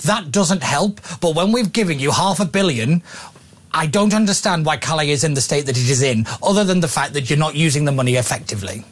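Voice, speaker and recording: Fast-talking indignant man. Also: fairly high pitch, lively intonation. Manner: indignant, ranting. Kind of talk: opinionated studio chat.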